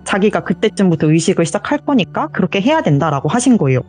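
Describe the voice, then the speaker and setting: A woman's voice: on the low side, sing-song, fast, darkish tone. A young woman telling her own ghost story as a caller on an interview show, earnest and quoting others in acted lines. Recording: voice call with faint music behind.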